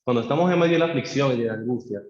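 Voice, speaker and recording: A man preaches a sermon, voicing a worshipper's pleading questions to God and calling the congregation to repeat after him. His medium-pitched voice rings through an echoey church. The recording is dull and low-fi. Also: rapid-fire, darkish tone. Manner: acts out a believer's pleading prayers to God; leads the congregation in call-and-response.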